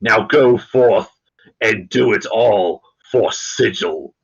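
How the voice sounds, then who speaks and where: A pompous, ruthless warlord rallies his crew in a magically amplified, booming voice, as a man puts him on. He speaks slowly, with grand, drawn-out phrasing, and his pitch sits on the low side. The recording sounds dull and lo-fi. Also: gravelly, breathy edge, heavily acted. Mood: rousing. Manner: slow, grand declaiming speech. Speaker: game master.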